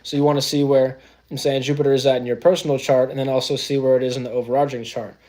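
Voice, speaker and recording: This astrology livestream host has a mid-range, slightly mellow voice, a level tone, and a rapid-fire pace. His casual, chatty talk leans on AAVE slang. "You know what I'm saying" comes up again and again.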